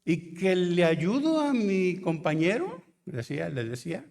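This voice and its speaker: A man's voice: high-pitched, sing-song, unhurried, creaky, a little mellow. A Mexican man, a pastor, preaching and telling his conversion story, acting out his younger self in quoted speech. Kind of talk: sermon testimony. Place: large church hall. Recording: long hall reverb.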